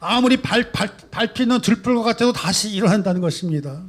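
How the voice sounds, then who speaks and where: Emphatic high-voiced male pastor preaching. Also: animated, fairly quick. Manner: emphatic preaching, rhetorical questions, swings from soft to loud. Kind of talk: sermon. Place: church sanctuary.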